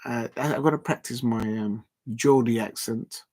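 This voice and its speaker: Male football streamer, casual late-night sign-off, filler-heavy ramble, ordinary middle pitch. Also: normal speed. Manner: rambling, filler-heavy, reading out chat shout-outs. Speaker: football watch-along streamer. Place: at home at night with a TV on.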